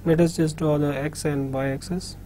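A man's voice: a little high, fairly even intonation, normal speed, warm tone, a little hiss or hum. A middle-aged man with a South Asian accent, a native Urdu speaker, giving a lecture as he draws a diagram, somewhat hesitant in delivery. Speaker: university lecturer. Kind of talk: lecture explaining a diagram while drawing. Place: studio, indoors.

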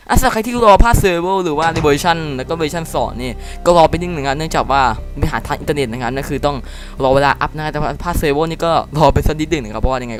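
A man giving casual commentary while playing a game. He reacts excitedly and reads the dialogue aloud. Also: fairly high pitch. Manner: chatty, explains controls to viewers. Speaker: game let's-play commentator.

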